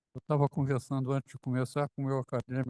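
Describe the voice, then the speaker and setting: This man's voice has a dark, mellow tone and a fairly high pitch. The sound is dry and close with no echo. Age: 70s. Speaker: physician academic. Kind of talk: symposium talk.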